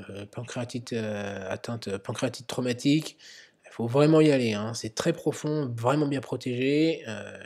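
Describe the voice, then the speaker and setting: A man's voice: mid-range voice, darkish tone. A man, a medical educator, talking through an emergency-medicine quiz in an explanatory way, with many fillers. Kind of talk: narrated quiz lesson.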